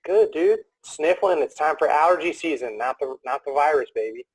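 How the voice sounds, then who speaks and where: A man's voice: on the high side, expressive, normal speed, husky, dry recording, low-quality recording. A man hosting a casual interview podcast, talking in an upbeat, chatty, joking way. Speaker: podcast host.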